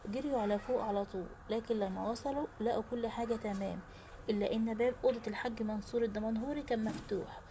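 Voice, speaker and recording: A woman with an Egyptian accent narrating a dramatic story, lively and suspenseful, addressing viewers directly. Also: a little high, background noise.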